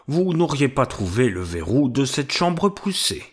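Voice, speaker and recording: A man's voice: medium pitch, sing-song, measured pace, slightly rough, pitched above the performer's own voice. A man reading an audiobook, voicing a shrewd police commissioner who questions witnesses insistently. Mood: questioning.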